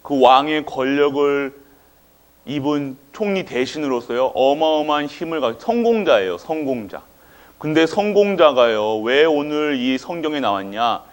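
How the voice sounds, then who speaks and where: A male pastor with a slightly high, expressive voice preaches a sermon in church at normal speed. He frequently quizzes the congregation with call-and-response questions and waits for their answers.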